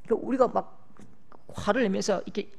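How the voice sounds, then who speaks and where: A middle-aged male pastor preaching a sermon, moving between loud pleading cries and quiet storytelling. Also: high voice, fast talker, creaky. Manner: impassioned, swings from loud cries to hushed storytelling.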